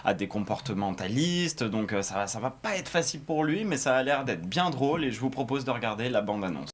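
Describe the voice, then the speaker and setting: A male TV columnist with a medium-pitched voice chats casually through his segment. He presents informally in a studio. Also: lively intonation, a little fast. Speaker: talk show columnist.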